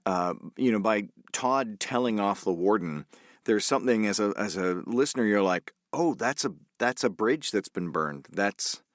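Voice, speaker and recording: Podcast host, male, lower register, thoughtful, halting delivery. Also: expressive, no echo, clean studio sound. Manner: reflective, restarts phrases often. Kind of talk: casual interview chat.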